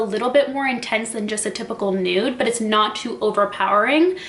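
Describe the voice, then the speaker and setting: Amid noticeable background noise, a woman with fairly high pitch talks at a very fast pace in an animated tone. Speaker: beauty youtuber. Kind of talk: casual vlog product review. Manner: chatty, animated.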